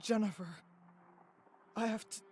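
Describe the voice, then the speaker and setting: A man's voice: sits high, steady tone, measured pace, slight background noise. An actor playing a furious, grieving middle-aged man in a video game cutscene. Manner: furious, shouting insults.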